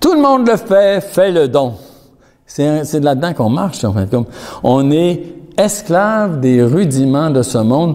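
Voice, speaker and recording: Speaking at a fairly slow pace, a man with a fairly high pitch and a dark, mellow tone swings very widely in pitch. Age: 70s. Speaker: preacher. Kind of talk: sermon. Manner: halting, self-correcting.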